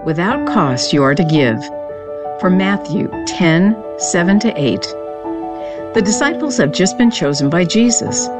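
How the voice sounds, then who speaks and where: A woman reading a devotional scripture reflection in a calm, measured way. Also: on the low side.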